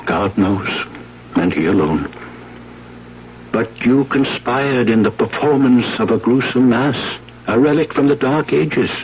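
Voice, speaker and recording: A man's voice: medium pitch, a little slow, a little hiss or hum, close to an everyday voice. An actor playing a stern, fatherly Catholic priest, solemn and declamatory, in a 1970s radio drama. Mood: grave, stern. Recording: dull, humming 1970s radio recording.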